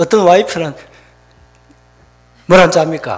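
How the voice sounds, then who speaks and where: The speaker is a man with a high pitch. He talks in a strong Gyeongsang accent. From Gyeongsang Province, South Korea. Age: 60s. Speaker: pastor. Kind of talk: sermon. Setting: church.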